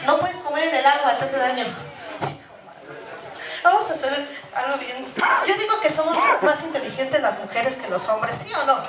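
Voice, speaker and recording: A woman's voice: high-pitched, lively intonation, moderate pace, music in the background. A woman with a Mexican Spanish accent, a party clown teasing and bossing the crowd in playful banter. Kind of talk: crowd-work comedy at a party. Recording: echoey, distant, noisy crowd recording.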